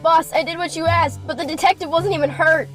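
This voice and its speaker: A woman's voice: very high-pitched, fairly even intonation, fairly quick, fairly bright tone. A young woman playing a dim, obedient gangster's henchwoman in an amateur radio play. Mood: puzzled. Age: teens or young adult. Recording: amateur recording with music underneath.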